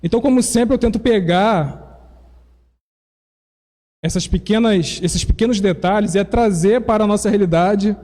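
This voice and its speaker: A Brazilian pastor preaches in a church, explaining each point patiently like a teacher. His voice sits high but sounds mellow. A long reverb from the church hall trails behind his words. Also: normal speed, pauses often. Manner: explanatory, teacherly, with self-corrections. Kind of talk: sermon.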